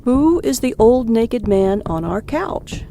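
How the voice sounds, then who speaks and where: Woman playing a creaky, boyish, childlike husband. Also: medium pitch, a little mellow, slight background noise, natural voice. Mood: calm, deadpan. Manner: matter-of-fact, slow and deliberate phrasing, turning boyish. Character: boyish, childishly enthusiastic, easily wounded husband. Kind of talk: audiobook character dialogue.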